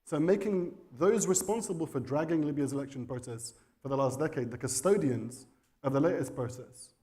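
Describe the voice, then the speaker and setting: A man on a conference panel makes his case firmly, pressing each point without backing down. His voice is mellow and dark in tone. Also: a little high, fairly quick. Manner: forceful, insistent argument. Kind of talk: panel discussion. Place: conference hall.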